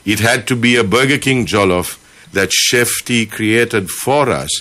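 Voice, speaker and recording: A man from Sri Lanka, a company managing director, speaking as a guest on a radio show with measured phrasing and frequent filler pauses. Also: mid-range voice, sharp tone. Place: radio studio.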